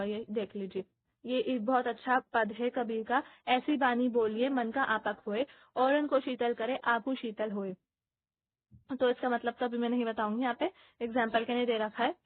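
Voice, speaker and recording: A woman's voice: on the high side, dry recording. A woman teaching an exam-prep lesson, explaining a textbook point by point with many fillers and restarts. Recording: tinny phone-like recording.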